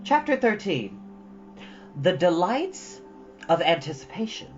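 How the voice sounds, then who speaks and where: A man's voice: high-pitched, big pitch swings, unhurried, muffled recording, faint music behind. A man hosting a storytime channel, speaking casually in an earnest, reflective and encouraging way. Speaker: host of a storytime reading channel. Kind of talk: casual chat and expressive book reading.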